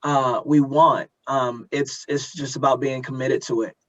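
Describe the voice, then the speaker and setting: A middle-aged man with an American accent hosting an interview, thoughtful and halting as he gradually builds his questions, on a dull, lo-fi recording. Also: medium pitch, fairly even intonation. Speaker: interviewer, host. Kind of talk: conversational interview.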